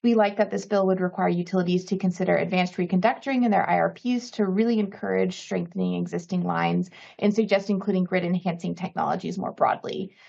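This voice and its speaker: A woman's voice: fairly low pitch, steady tone, fairly quick, gravelly, hardly any pauses, a little mellow, dull audio. A woman testifying for an advocacy group at a hearing, reading polished prepared remarks. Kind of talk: public testimony.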